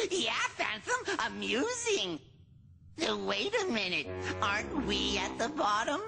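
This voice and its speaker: A cartoonish character voice over clear background noise. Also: fairly slow pace. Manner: nervous, fawning.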